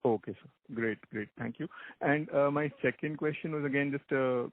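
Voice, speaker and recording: A man's voice: mid-range voice, moderate pace. A man with an Indian accent asks questions as an analyst on a conference call, wordy and a little hesitant. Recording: dry, narrow phone line.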